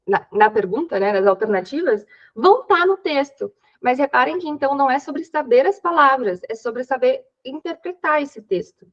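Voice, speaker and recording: A young woman with a Brazilian Portuguese accent and a high voice teaches an exam-prep English lesson. She talks her students through each step in a chatty way and checks in with them often. The audio is dull and lo-fi, like an online class recording. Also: expressive, moderate pace, few pauses. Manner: chatty, explains step by step, frequent "né?".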